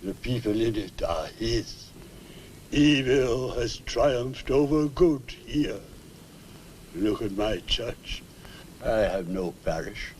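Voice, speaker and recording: A man's voice: medium pitch, expressive, slow pace, a little mellow. An actor playing a grave, embittered older male reverend in a 1960s horror film, declaiming solemnly. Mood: ominous, despairing. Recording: noisy old film soundtrack.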